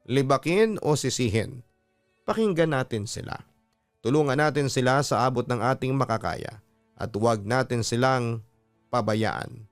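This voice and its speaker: A man's voice: mid-range voice, no room sound. Filipino male storyteller, dry close sound. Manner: earnest, exhorting. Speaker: storytelling show host and narrator. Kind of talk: reading a listener's letter and giving earnest advice. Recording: music playing behind a dry voice. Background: background music.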